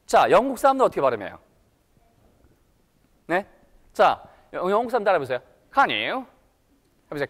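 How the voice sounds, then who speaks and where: Animated man lecturing in a hall. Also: high-pitched. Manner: animated, playful, coaxes audience to repeat after him. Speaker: English lecturer. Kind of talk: lively public lecture to an audience. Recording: reverberant hall.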